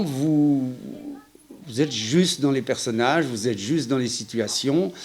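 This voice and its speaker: A man's voice: medium pitch, a little mellow. A man who directs an amateur theatre group, speaking in interview about the actors in a thoughtful, appreciative way. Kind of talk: interview commentary.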